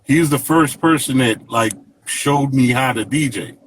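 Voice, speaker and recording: A man in his fifties from Jamaica, telling stories as an interview guest in a relaxed, rambling way, full of fillers. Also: medium pitch, normal speed, a little hiss or hum, low-quality recording. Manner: relaxed, rambling, many fillers and "you know what I mean". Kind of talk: casual interview storytelling.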